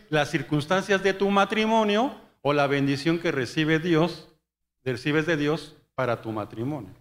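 A man preaching a sermon in a church, retelling a story in a quick, conversational way and acting out the lines of the people in it. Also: on the high side, a bit bright. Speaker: pastor. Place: church hall. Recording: long hall reverb.

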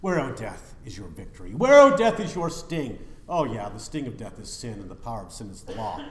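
A male pastor delivering an animated, emphatic sermon. His words swing between loud declarations and sudden quiet drops, with a roomy church echo around him. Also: lowish voice, a little fast.

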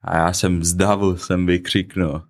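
Young male co-host, lowish voice, animated and slangy. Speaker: podcast co-host. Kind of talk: casual chat.

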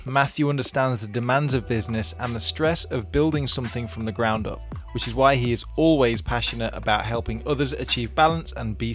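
A man reading a scripted introduction for a show, in a smooth, even manner. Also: medium pitch. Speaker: show announcer.

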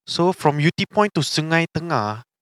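A man's voice: fairly high pitch, animated, normal speed, a bit bright, dry recording, clean studio sound. A man with a Singaporean accent tells a personal story casually in Singlish, with lah and Malay words, often repeating and restarting his phrases.

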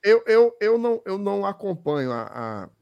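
A man hosting a casual sports chat, speaking. His voice sits fairly high and he talks in a lively way, laughing often and using a lot of regional slang. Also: normal speed, creaky, clean tone, lo-fi sound. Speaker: host.

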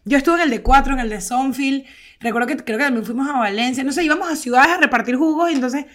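A woman's voice: high-pitched, fast, background noise. Venezuelan woman telling slangy stories. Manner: animated storytelling, slangy, laughs often. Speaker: podcast co-host. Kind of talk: casual chat.

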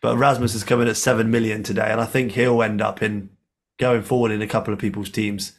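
Podcast co-host, male, hoarse today, chatty and jokey. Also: on the low side, level tone, fast talker. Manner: chatty, laughs often, swears. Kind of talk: casual football chat.

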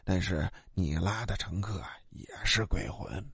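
A man voicing a ghost dressed in white who calmly leads a dead taxi driver to the afterlife, speaking low, slow and hushed. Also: gravelly, husky, dry recording, full character voice. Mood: grave.

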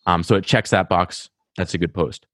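A deep-voiced man with a fairly bright tone talks at a normal speed in a dry, studio-quality recording. He has a Rhode Island accent and chats on a podcast with enthusiasm, speaking at length and often starting his sentences over.

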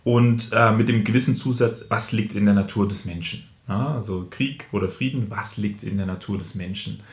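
A man's voice: fairly low pitch, moderate pace, roomy sound. A man co-hosting a podcast, talking reflectively with many fillers and then reading a short story aloud. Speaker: podcast co-host. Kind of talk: casual conversation and story reading.

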